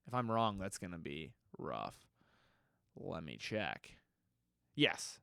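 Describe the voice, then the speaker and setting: A man's voice: deep voice, sing-song, takes it slowly, creaky, fairly bright tone, clear, resonant tone, dry recording, studio quality. A man hosting a podcast who is stuffy, answering listener questions in a casual, rambling way with many fillers and restarts. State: stuffy nose. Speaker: podcast host.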